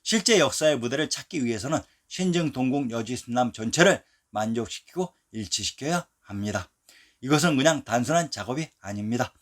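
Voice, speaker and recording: A man narrating a scripted history lesson in a measured, declarative way. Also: mid-range voice.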